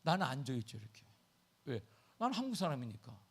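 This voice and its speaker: A man preaching a sermon to his congregation, animated, asking them questions and answering himself. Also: medium pitch, breathy edge. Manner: sings hymn lines slowly in the middle of talking. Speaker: pastor. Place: church sanctuary.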